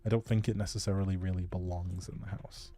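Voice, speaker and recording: Man, low mellow voice, casual livestream chat, rambling, hesitant, trails off, gaming host. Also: little pitch movement, quick pace. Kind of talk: casual chatty livestream commentary, replying to chat. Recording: music playing behind the voice. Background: background music.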